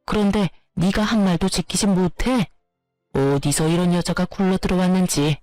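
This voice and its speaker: A woman's voice: fairly low pitch, normal speed, a little mellow, no echo, faint music behind, natural voice. Casting: a woman doing a harsh, insulting older mother-in-law in a dramatized story; close, dry delivery. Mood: berating. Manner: scolding, insulting, berating.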